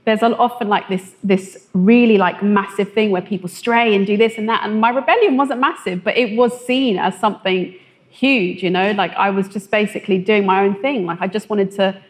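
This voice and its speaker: A woman from West London shares her testimony in a relaxed, conversational way, pausing often and searching for words. She speaks at a middling pitch, and her voice lifts and speeds up when she mimics the warnings she heard growing up. She is on a church stage. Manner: hesitant, filler-heavy, animated when quoting others. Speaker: testimony guest.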